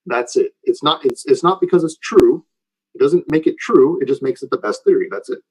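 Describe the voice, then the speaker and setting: Husky-voiced man giving an informal lecture. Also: on the high side, fairly quick, darkish tone, low-quality recording. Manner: conversational, explanatory, often checking understanding with tags. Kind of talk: informal live lecture with audience questions.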